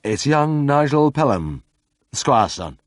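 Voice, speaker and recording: A tipsy young gentleman who articulates slowly and carefully to hide the drink, as a man acts him out. His voice stays a little above the narrator's. The recording is dry and close. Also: medium pitch, big pitch swings, dry recording, pitched above the performer's own voice. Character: tipsy, dignified young vet, lovestruck.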